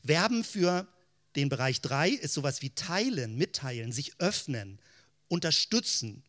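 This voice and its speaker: A man's voice: a little high, very animated, unhurried, fairly bright tone. A man giving a theological teaching talk, explaining step by step in keyword lists and asking rhetorical questions. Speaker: Christian teacher.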